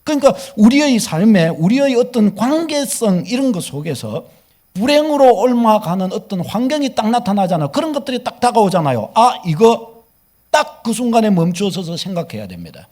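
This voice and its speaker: A middle-aged man preaching a sermon in church, asking the congregation rhetorical questions and swinging between loud emphasis and quiet asides. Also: sits high, very animated, fairly quick. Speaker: pastor. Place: church sanctuary.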